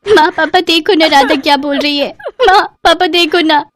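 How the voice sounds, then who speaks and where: A woman's voice: high voice, normal speed, fairly bright tone, slight background noise, voice pushed up. A woman voicing an unloved young woman who pleads tearfully in a cartoon story. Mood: pleading.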